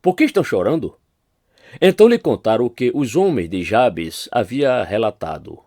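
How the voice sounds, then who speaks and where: A man's voice: medium pitch, sing-song, normal speed, dark tone, no room sound, clean studio sound. A man with a Brazilian Portuguese accent, a pastor reading Bible chapters aloud and lifting his voice for quoted speech.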